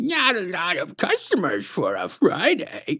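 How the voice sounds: This put-on character voice is raspy and squeaky, delivered at a fairly slow pace.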